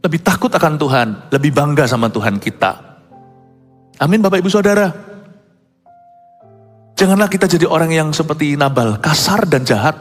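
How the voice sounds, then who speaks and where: A male pastor preaching a lively sermon in a high, husky voice that swings widely in pitch. He talks conversationally and acts out little quoted voices. His voice carries a long hall reverb with faint music underneath. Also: moderate pace, long pauses. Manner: animated and conversational, acts out quotes, mixes in English words.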